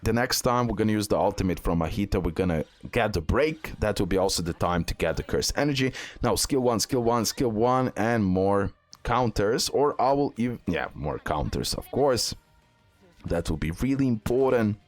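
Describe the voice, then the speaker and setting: Low-voiced man giving game commentary. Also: expressive, moderate pace, faint music behind. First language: not English. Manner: informal, repeats phrases for emphasis. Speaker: gaming video host. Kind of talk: casual game strategy commentary over recorded gameplay.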